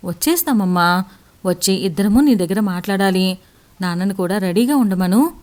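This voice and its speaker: A woman voicing a brisk young bride-to-be. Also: mid-range voice, expressive, darkish tone, close to an everyday voice.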